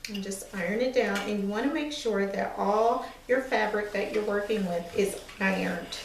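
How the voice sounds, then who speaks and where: Slightly hoarse woman with a gravelly edge. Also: mid-range voice, normal speed, slight background noise. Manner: relaxed, chatty step-by-step explaining with fillers. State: slightly hoarse, losing her voice. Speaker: sewing tutorial host. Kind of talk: casual craft tutorial. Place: small room indoors at an ironing board. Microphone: far camera. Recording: echoey room, mic far off.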